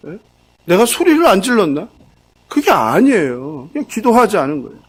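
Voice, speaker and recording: Male pastor, high and lively voice, sermon full of questions to the congregation. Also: normal speed, husky. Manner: animated preaching, keeps asking the congregation questions. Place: church sanctuary.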